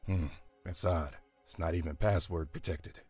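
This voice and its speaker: A man's voice: low-pitched, steady tone, normal speed, a little mellow, slightly rough, soft background music. An actor playing an observant, curious male detective partner.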